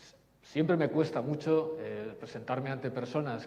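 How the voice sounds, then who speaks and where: Moderate-paced speech from a man, amid noticeable background noise and audible room echo. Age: 60s. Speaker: sociology professor. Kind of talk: lecture. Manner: hesitant, many fillers.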